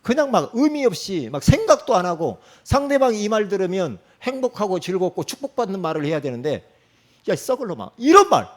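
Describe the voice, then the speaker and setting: A man's voice: sits high, a little fast, few pauses. A man preaching a sermon as a pastor, colloquial and teasing, acting out quoted lines and often prompting the congregation. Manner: animated, acts out quoted speech, frequent "응?" prompts.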